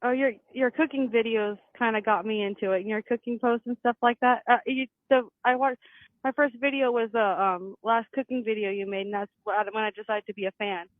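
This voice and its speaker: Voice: mid-range voice, fairly even intonation, brisk, no room sound. A caller to a talk show who speaks hesitantly and stammers, heard over a phone line. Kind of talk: phone call-in.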